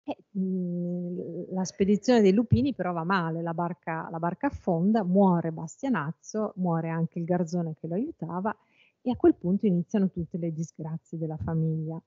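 A woman's voice: lowish voice, moderate pace, dark tone, dry recording, dull audio. A woman from Italy giving an adult education lecture in a thoughtful, hesitant way.

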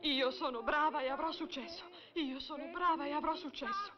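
A woman's voice: high voice, moderate pace, crowd noise, close to an everyday voice. A woman playing a nervous, coquettish young stage performer in an old film comedy. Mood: anxious, coquettish. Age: young adult. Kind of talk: 1950s Italian film romantic comedy. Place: small theatre dressing room. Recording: dull old film soundtrack, music behind.

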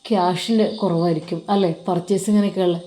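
A woman's voice: lowish voice, steady tone, fast talker, mellow, close to an everyday voice. A woman voicing a generous Arab male employer who keeps coaxing with friendly questions.

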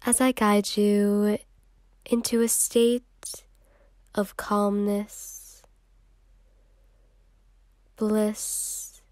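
A woman leading a guided meditation in a soft, soothing, unhurried way with long pauses, breathy at times. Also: mid-range voice, little pitch movement, dry recording.

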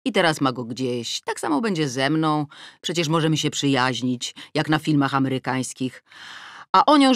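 Wry, expressive woman narrating an audiobook. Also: deep voice, no echo. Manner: wry, ironic and expressive, with wide swings in tone. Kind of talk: first-person audiobook narration. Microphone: close studio mic. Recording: dry studio recording.

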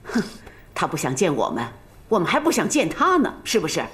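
A fussing, doting old matriarch. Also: female voice, fairly low pitch, huge pitch swings, brisk, a bit bright. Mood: coaxing. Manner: fussing and coaxing, with sighing exclamations. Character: fussy, doting, hard-hearted rich family matriarch. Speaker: matriarch of the family. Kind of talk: period TV drama acting.

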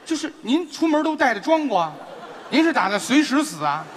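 Man, crosstalk comedian, rapid teasing banter, very high lively voice, audience audible. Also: a faint crowd, a little hiss or hum. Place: large theater stage.

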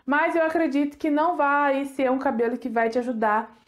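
High-voiced chatty woman reviewing hair products. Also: little pitch movement, normal speed, heavy background noise. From Brazil. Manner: chatty and enthusiastic, jokes and laughs at herself. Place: small home studio with decorated shelves.

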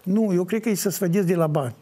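An older man answering interview questions in an animated way, breaking into sung folk lines as he talks. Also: sits high, slightly rough. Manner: animated, sings folk lines mid-talk. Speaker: folk singer.

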